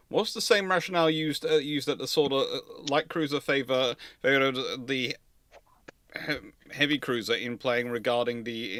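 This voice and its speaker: Guy hosting a live q&a, bright voice, dry sound, kinda halting as he thinks out loud. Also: medium pitch, dry recording. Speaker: host answering viewer questions. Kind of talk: live Q&A chat on naval history.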